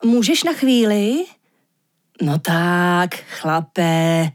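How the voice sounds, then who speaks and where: A woman's voice: on the low side, lively intonation, lightly acted. A woman voicing a grumpy, dreamy male giant walrus who made the world, grumbling as she reads the storybook lines.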